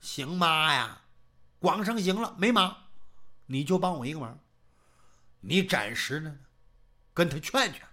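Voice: mid-range voice, expressive, unhurried, pauses often, sharp tone. A storyteller voicing a greedy, lecherous old father-in-law who bullies and swears. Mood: scornful. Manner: coarse, bullying, swearing.

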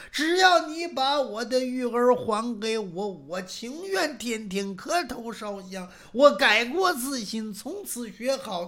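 A scheming young man wails in feigned grief, put on by a traditional storyteller. His cries run high and slow, stretched into long sobbing pleas, and break into shouts. The voice carries a gravelly edge. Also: exaggerated voice.

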